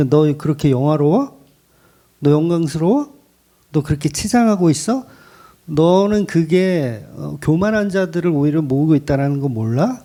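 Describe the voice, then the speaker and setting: A man voicing God as a stern, mocking figure who scolds a proud man with sharp, taunting questions. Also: on the high side, close to an everyday voice.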